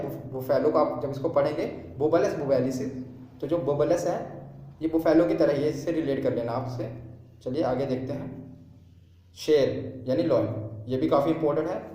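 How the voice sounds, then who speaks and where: Male teacher, mellow tone, quizzing and repeating, very echoey room. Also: fairly high pitch. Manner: asks and answers his own questions, repeats key terms. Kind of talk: exam-prep lesson.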